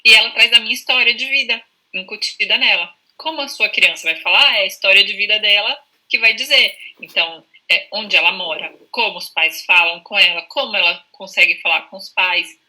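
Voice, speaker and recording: A Brazilian woman with a very bright voice and a husky edge talks over a video call. She explains patiently, as a speech therapist would, and often checks in with a quick tag at the end of her sentences. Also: medium pitch, low-quality recording. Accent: Brazilian Portuguese. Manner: calm, explanatory, frequent "né?" tags. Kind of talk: conversational explanation in a live video chat.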